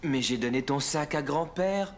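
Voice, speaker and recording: A man's voice: on the high side, lively intonation, normal speed, natural voice. A man voicing an easygoing father of a small boy in a children's cartoon. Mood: mild, friendly. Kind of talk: dubbed children's cartoon dialogue.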